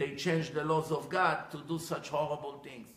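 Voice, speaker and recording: A man speaks with fairly high pitch. Noticeable background noise is audible. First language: Hebrew. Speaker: rabbi giving Torah lectures. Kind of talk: religious lecture.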